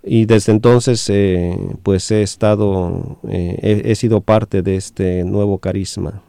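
Slow gravelly man, halting radio host, dark voice. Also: lowish voice, steady tone, no echo. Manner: many fillers and restarts, slow and halting. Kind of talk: hesitant radio talk.

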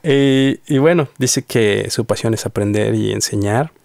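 A man's voice: lowish voice, measured pace, vocal fry, darkish tone, dry recording. A man hosting a casual radio interview in a studio, chatty and hesitant, with frequent fillers. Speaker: radio show host. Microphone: studio microphone.

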